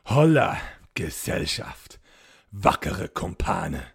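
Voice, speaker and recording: A looming spectral knight, the black count, as a man puts him on, with a deep, hollow, gravelly voice. Every word lands loud, slow and commanding. This is a fairy-tale villain who owns the night. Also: big pitch swings, exaggerated voice. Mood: menacing command. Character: huge ghostly black knight count, domineering.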